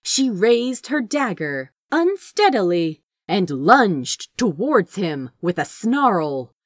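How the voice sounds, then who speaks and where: A woman's voice: mid-range voice, fairly bright tone, no echo, studio quality. A woman reading a fantasy story aloud as an audiobook narrator, in a dramatic storytelling style. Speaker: fan fiction audiobook narrator.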